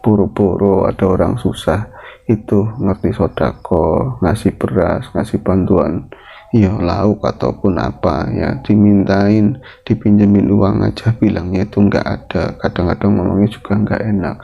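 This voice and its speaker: Male horror storyteller, gravelly, chatty and rambling, on a dull lo-fi recording. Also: sits low, steady tone, unhurried. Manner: chatty, loose, filler-heavy. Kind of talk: casual spoken horror storytelling.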